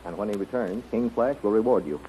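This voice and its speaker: An actor playing a humble but insistent servant, formal and urgent, in 1930s radio serial style. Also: male voice, on the low side, fast talker, mellow, close to an everyday voice. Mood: urgent, earnest. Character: urgent, humble male servant coaching a queen. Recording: dull, noisy 1930s radio recording.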